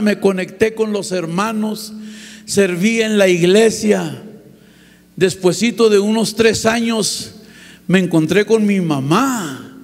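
A man with a Mexican accent gives a passionate sermon testimony, often shouting as he preaches. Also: high-pitched. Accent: Mexican Spanish. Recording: echoey hall with faint hum.

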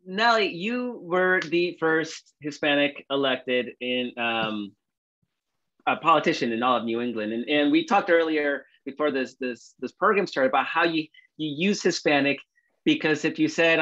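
A man's voice: a little high, pushed and bright. A middle-aged man moderating a panel over a video call, asking long questions with hesitant restarts. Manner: hesitant, halting, many "um"s and restarts. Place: indoor room, plain wall. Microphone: video call webcam. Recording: dull webcam audio.

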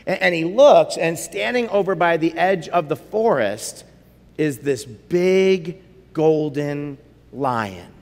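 A male pastor retelling a story in his sermon, rising for the action and dropping low for the quiet moments. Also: expressive, slow. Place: church auditorium. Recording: long hall reverb.

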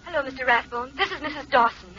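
An actress playing a troubled, pleading wife over a telephone in a 1940s radio drama. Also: female voice, high voice, fast, dull audio. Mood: anxious pleading. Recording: thin phone effect, noisy old radio recording.

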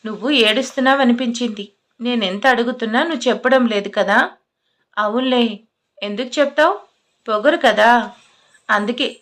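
A woman's voice: on the high side, moderate pace, long pauses, a bit bright, close to an everyday voice. A woman voicing an irritated young man who scolds and demands answers, in a storybook reading. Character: angry, blunt young man, quick to anger.

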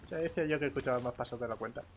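A man with an accent from Spain chatting casually in an online roleplay game, thinking aloud in a halting way. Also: medium pitch, vocal fry, slight background noise. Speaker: gamer role-playing online.

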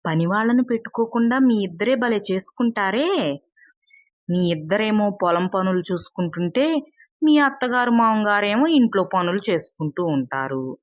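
A woman's voice: medium pitch, animated, normal speed, dry recording, studio quality, lightly acted. A woman doing an envious lazy neighbour wife. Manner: sweet-voiced but jealous.

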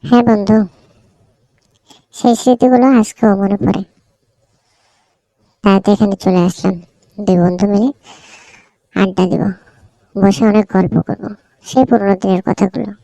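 Woman as teasing cartoon buddy, familiar and bossy, caring, fry in the voice, very dry close sound. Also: medium pitch, fairly even intonation, normal speed, long pauses, dark tone, no room sound, lightly acted, rough recording. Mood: friendly. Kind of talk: cartoon dialogue.

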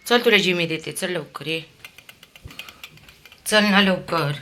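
A woman's voice: lowish voice, takes it slowly, pushed and bright, a little hiss or hum. A woman filming her dog, coaxing and calling him in a singsong voice between casual remarks.

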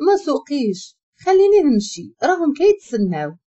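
Woman doing a young Moroccan wife, clipped and pleading, lively pitch, dull lo-fi sound. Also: moderate pace, husky. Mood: hurt, sharp. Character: young wife, sharp and hurt. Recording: dull lo-fi recording.

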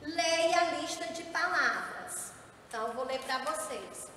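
A woman teacher explaining a board game to young children, counting aloud slowly and coaxing them along, recorded in an echoey room from some distance away. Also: high-pitched, lively intonation, bright, forceful tone, a little hiss or hum.

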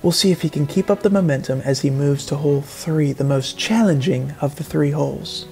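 A man's voice: a little high, brisk, creaky, faint music behind. Man doing mock golf play-by-play. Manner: earnest play-by-play, building to excited outbursts. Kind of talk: parody sports commentary.

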